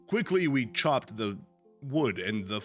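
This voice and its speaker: A young man with a sniffly, slightly sick voice, chatting casually at home and reading a book aloud on a stream, joking and swearing freely. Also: mid-range voice. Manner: loose, joking, swears freely, lots of fillers. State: sniffly, still a little sick. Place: at home with his dog.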